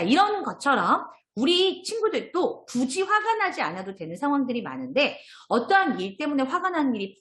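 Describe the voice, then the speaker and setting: A woman trainer speaks over a video call, walking teachers through a lesson plan. Her voice sits fairly high and swings widely in pitch as she slips into children's and teachers' lines. The sound carries a roomy echo. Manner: animated, switches into acted child and teacher voices. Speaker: instructor training preschool teachers. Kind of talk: online curriculum training lecture.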